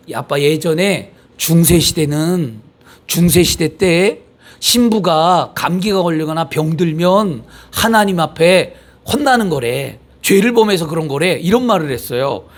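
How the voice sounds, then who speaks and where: A middle-aged man with a fairly high voice preaches in church while fighting a cold. He talks in a conversational way, throwing out rhetorical questions and telling stories about his family. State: has a cold. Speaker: pastor. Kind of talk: sermon. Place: church sanctuary.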